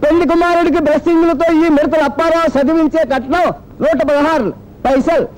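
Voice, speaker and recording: An actor playing a silly wedding guest who chants and boasts in a high comic voice, from a comedy film. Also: male voice, fairly even intonation, brisk, darkish tone, poor audio. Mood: cocky. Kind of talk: 1990s comedy film dialogue.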